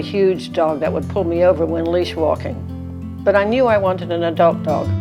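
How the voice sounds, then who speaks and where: A woman's very deep, low voice with very wide pitch swings at a moderate pace, music in the background. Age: 80s+. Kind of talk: personal testimonial narration.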